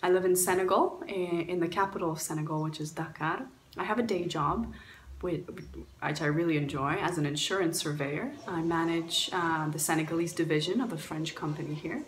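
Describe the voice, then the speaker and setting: A Polish-born woman raised in Canada answers questions as a guest traveler in a recorded talk, offering earnest travel advice full of fillers and restarts. Her voice sits low at a moderate pace, with roomy sound and slight background noise.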